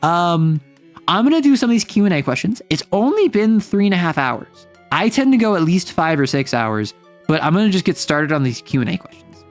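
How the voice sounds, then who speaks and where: A man's voice: sits high, big pitch swings, a little fast, soft background music. An American man, a young adult, chatting casually on a livestream in a rambling, self-interrupting, wry way. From United States. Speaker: streamer.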